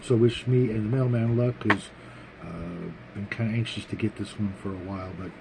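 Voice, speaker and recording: A man hosting a casual, unscripted vlog about tabletop gaming, talking to viewers in a rambling, halting, conversational way. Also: lowish voice, creaky, very noisy. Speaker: host of a tabletop gaming vlog, game master.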